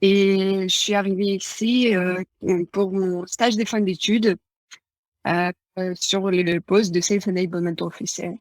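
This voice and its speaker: A woman's voice: medium pitch, fairly even intonation, unhurried, no room sound, rough recording. A young woman in her twenties from Ukraine with a Ukrainian accent, answering interview questions in a casual, hesitant way with many fillers. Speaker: guest.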